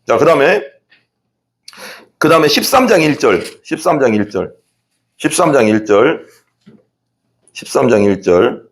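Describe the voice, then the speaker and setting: A male pastor preaching with a lively, swooping delivery. His fairly high voice rises and falls a lot as he quizzes his listeners and briefly acts out proud people. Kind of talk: sermon.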